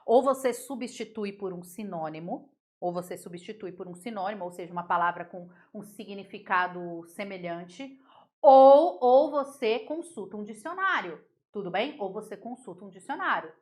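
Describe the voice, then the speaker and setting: A woman teaching a Portuguese grammar lesson, playful and laughing at common mispronunciations, repeating words slowly to drill them. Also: mid-range voice, expressive, a little mellow.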